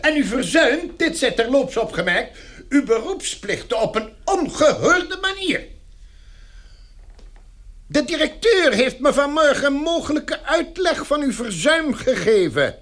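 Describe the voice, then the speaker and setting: A man's voice: very high voice, very animated, measured pace, a bit bright, heavily acted. A man playing a pompous, impatient chief clerk in a radio drama, formal, stern and long-winded. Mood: stern reproach.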